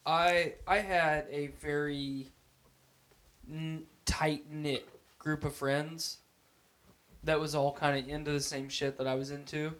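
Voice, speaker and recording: Bright, teasing man co-hosting a podcast. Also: a little high, flat delivery, slow. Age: late 20s. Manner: crude, teasing. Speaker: podcast co-host. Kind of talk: casual chat.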